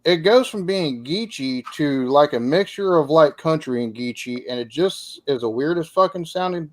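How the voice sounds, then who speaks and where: Rambling, swearing man, slightly high voice. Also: animated, moderate pace. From not from this area. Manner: rambling, swears, repeats words. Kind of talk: casual chat.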